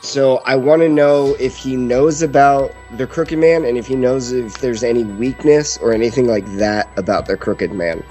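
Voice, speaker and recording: A man's voice: mid-range voice, moderate pace, hardly any pauses, darkish tone, soft background music, rough recording. A man talking casually at a tabletop game as one of the players.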